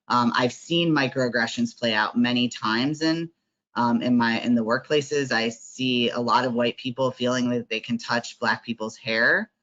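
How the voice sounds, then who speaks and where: Man, workshop facilitator, mid-pitched voice, conversational, fillers and tag questions, muffled call audio. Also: steady tone, moderate pace, fairly bright tone. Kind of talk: online workshop presentation.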